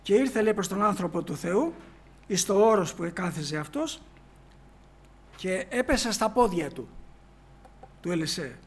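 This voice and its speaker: A man preaching in a storytelling way, reading old scripture verses slowly and then explaining them in everyday speech, with many "he says" asides. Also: high voice, animated, breathy edge. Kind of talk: sermon retelling a Bible story.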